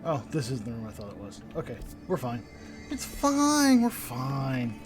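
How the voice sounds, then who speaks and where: A young man with a slightly stuffy, sinusy voice talks his way through a video game on a live stream, wondering aloud and cracking dry asides to his viewers. His voice sits at an ordinary middle pitch. Game music plays clearly underneath him the whole time. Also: wildly swooping pitch, a little slow. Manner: musing to himself, wry asides to chat. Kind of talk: casual live-stream commentary.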